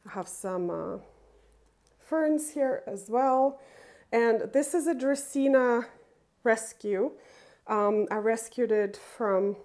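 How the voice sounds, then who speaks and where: A woman chatting casually through a tour of her indoor plant room, unhurried and enthusiastic, with small laughs and fillers. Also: fairly high pitch, darkish tone. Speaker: plant vlogger.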